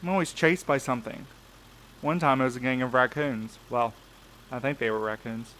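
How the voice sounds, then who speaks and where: A man's voice: medium pitch, moderate pace, a bit bright, a little hiss or hum, close to an everyday voice. A man acting in an audio drama as a jaded, laid-back night courier with a casual, sarcastic way of talking. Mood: grumbling, wry. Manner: casual, wry. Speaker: voice actor in a fiction podcast.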